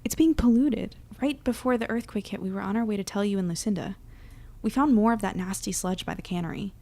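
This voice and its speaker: A woman playing a guilt-ridden but supportive and determined young hero in audio drama dialogue, speaking softly and earnestly. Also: mid-range voice, fairly quick, natural voice. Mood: urgent.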